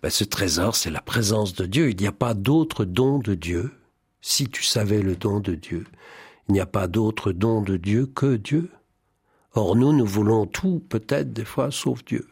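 A low-pitched man with a husky edge talks in a fervent, preacherly way, often quoting scripture. He is a guest in a spiritual radio interview, and the sound is close and dry. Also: a little slow, a little mellow, no echo. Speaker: priest and songwriter, interview guest.

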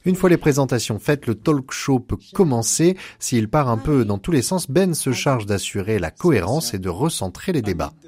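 A man's voice: medium pitch, sing-song, moderate pace, hardly any pauses, a little mellow. A male reporter giving scripted narration for a report.

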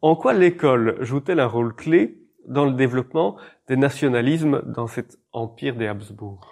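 Man, interviewer, medium-pitched voice, measured. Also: lively intonation, vocal fry, darkish tone. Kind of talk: interview questions.

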